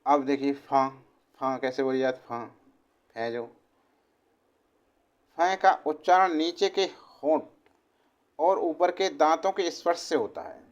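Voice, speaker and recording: A man teaching Hindi phonetics for an exam course, sounding out each syllable slowly and deliberately, often dropping to a quiet, low voice. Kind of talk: exam-prep phonetics lecture. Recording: dull lo-fi classroom recording.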